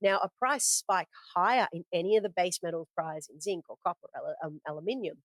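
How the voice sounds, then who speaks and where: A woman's voice: on the low side, fast talker, dry recording. A woman hosting a commodities podcast, talking through her notes in a conversational way, with fillers and self-corrections. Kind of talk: casual spoken market commentary from notes.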